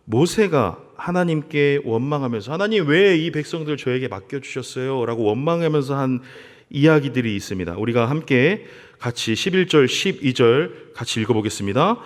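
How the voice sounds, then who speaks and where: Earnest preaching pastor in a reverberant church. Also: male voice, medium pitch, animated, moderate pace. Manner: earnest preaching, often addressing the congregation directly. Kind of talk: sermon. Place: church sanctuary during worship. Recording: long reverb of a church hall.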